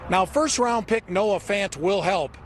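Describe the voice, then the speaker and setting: A man's voice: high voice, measured pace, a little hiss or hum. A man with an American accent reading a scripted TV sports report.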